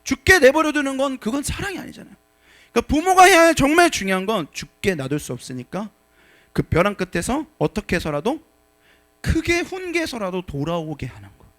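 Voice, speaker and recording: A male pastor delivering a sermon in a high, lively voice that swings widely in pitch. He reads scripture calmly, then presses his point with sudden bursts of emphasis. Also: fairly quick. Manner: animated, shifts from quiet reading to shouted exhortation. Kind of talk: sermon to a young adult congregation.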